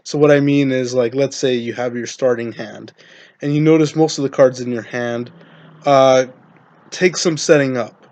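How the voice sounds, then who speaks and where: Hoarse man, halting and full of ums. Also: mid-range voice, steady tone, darkish tone, no echo. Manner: hesitant, many ums and restarts. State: hoarse from being sick. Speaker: Yu-Gi-Oh content creator. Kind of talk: casual talk to camera, deck-building tips.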